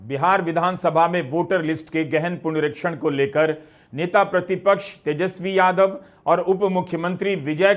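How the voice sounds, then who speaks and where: A middle-aged man presenting news commentary in a measured voice, raising questions one after another. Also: high voice, a bit bright.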